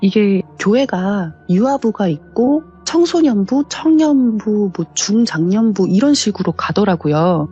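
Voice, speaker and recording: Mellow, husky woman telling a ghost story. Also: mid-range voice, animated, unhurried, few pauses, highs cut off. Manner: polite, explanatory narration. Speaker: caller telling a personal story. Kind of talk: conversational first-person telling of a ghost story. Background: background music.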